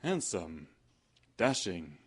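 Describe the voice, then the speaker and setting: A man's voice: low voice, very animated, extremely slow, breathy edge. A man announcing in old-time radio style, with folksy scripted banter and sponsor salesmanship.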